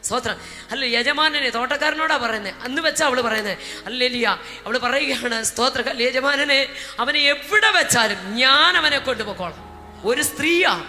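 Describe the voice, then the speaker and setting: Kerala lady preacher, goes from shouting in tongues to almost whispering the story, echoey hall w music behind. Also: fairly high pitch. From Kerala, India. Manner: swings between shouted tongues and soft, intimate storytelling; keeps interjecting praise words between phrases. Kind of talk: Pentecostal sermon with speaking in tongues.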